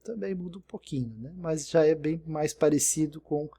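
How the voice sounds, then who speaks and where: A man's voice: fairly high pitch, normal speed, mellow, slightly rough. Patient man teaching English. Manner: patient and explanatory, often checking in with "né?". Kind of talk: recorded screen-share lesson.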